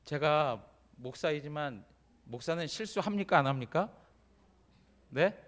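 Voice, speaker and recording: A man's voice: a little high, animated, a little slow, a bit bright. A male pastor delivering a Sunday sermon in a church, talking conversationally and often checking in with the congregation. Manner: conversational preaching, frequent "예?" prompts to congregation. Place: church sanctuary.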